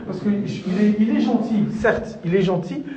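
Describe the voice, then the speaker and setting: A man's voice: high-pitched, animated, moderate pace, muffled recording, a crowd in the background. A man in a casual argument with a neighbour, protesting in slangy, repetitive phrases. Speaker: neighbour being complained to. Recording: echoey room.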